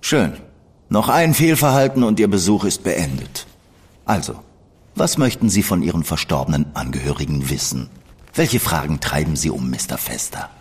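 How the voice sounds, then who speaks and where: A man playing a sinister male spirit medium in a radio play, speaking smoothly and soothingly with a menacing edge. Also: low-pitched, animated, normal speed. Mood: cold.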